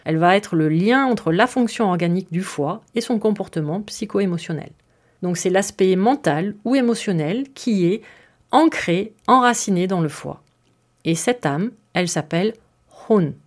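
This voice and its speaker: A woman's voice: medium pitch, expressive, moderate pace. Chatty woman hosting a wellness podcast. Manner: chatty, explains with fillers and asides. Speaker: podcast host. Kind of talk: casual explanatory podcast monologue.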